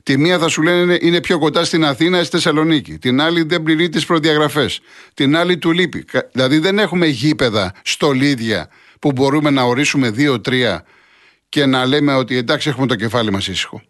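A man's voice: fairly high pitch, a bit bright. A man hosting a call-in radio show, chatting with callers and reading out listener messages. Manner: conversational, chats with callers and reads listener messages. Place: radio studio.

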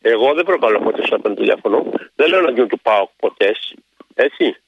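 A man calling a radio show, indignant and emphatic, repeating his points, with a gravelly voice. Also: mid-range voice, expressive, noisy background. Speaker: caller. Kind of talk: phone-in call. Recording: dull dry phone line.

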